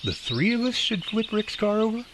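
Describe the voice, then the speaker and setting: An actor playing an excitable, hesitant, deferential younger man in an audio drama. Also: high-pitched, moderate pace, a little hiss or hum.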